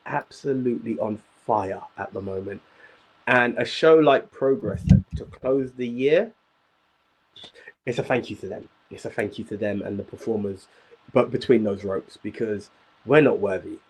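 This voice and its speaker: A man's voice: lowish voice, normal speed, breathy edge, rough recording. A man hosting a wrestling review show, speaking emphatically and repeating himself for emphasis. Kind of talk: casual podcast chat.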